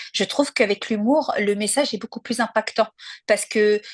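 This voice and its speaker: Here is a woman speaking. Her pitch is fairly high. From France (Lebanese family, born in Lebanon). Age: 40s. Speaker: comedian and content creator. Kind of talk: interview. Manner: animated.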